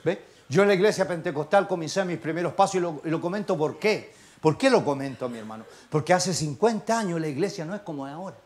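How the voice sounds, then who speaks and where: An older man with a Chilean accent preaching a fervent sermon, swinging from quiet asides to shouted exclamations and firing rhetorical questions at the congregation. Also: fairly high pitch, lively intonation, quick pace. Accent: Chilean Spanish. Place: church service.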